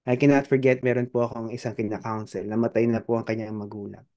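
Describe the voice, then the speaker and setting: A mellow, darker-toned man with a Filipino accent delivers a sermon in dramatic waves. He moves between Tagalog and English, stretches out key phrases, and jumps up into acted voices. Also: flat delivery. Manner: dramatic swings in pitch and volume, slows down on key points. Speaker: preacher.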